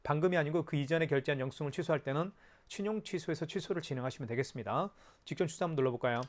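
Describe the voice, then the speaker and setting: Fast-talking man giving a tutorial. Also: fairly high pitch. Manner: instructive, checking in with rhetorical questions. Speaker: presenter demonstrating a product. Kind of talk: hands-on tutorial explanation.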